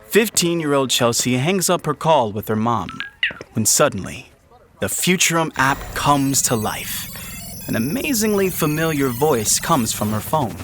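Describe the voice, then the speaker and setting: A man with a medium-pitched voice reads scripted story narration for an audio drama. Guitar music plays clearly behind him. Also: big pitch swings, a little slow.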